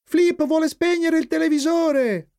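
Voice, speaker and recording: Man reading as a little boy, high-pitched, whiny, pleading, tearful storybook voice. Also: measured pace, creaky, a little mellow, heavily acted.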